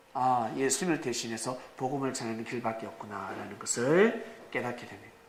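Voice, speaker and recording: A male pastor preaching a sermon with dramatic rises, sudden shouts and rhetorical questions to the congregation. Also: mid-range voice, a little hiss or hum. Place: church sanctuary. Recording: echoey church room, faint ambience.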